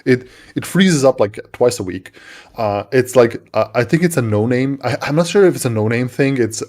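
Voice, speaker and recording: A man from Serbia, a native Serbian speaker, co-hosting a casual tech chat on a live stream in a halting way, often repeating his words. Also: mid-range voice, expressive, darkish tone.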